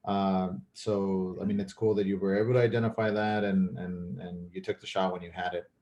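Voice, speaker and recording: The recording cuts off the highs on this man's low, warm voice, which has a flat delivery at normal speed. A filmmaker guest raised in Mexico and a native Spanish speaker, he chats casually and thoughtfully, with many fillers and restarted sentences.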